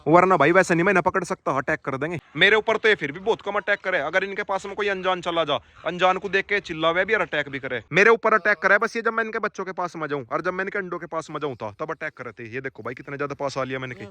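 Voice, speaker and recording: A man, talking casually to his viewers while he walks his dog farm and shouts to his dogs. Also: high voice, quick pace, few pauses. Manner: calls out loudly to his dogs. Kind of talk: casual vlog commentary.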